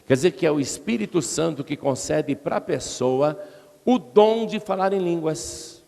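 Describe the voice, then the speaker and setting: A man's voice: lively intonation, normal speed, creaky, warm tone. A man with a Brazilian Portuguese accent preaching an expository sermon, retelling scripture dramatically in a church hall. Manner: dramatic storytelling, acting out crowd voices with rising pitch. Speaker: pastor. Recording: long reverb of a large hall.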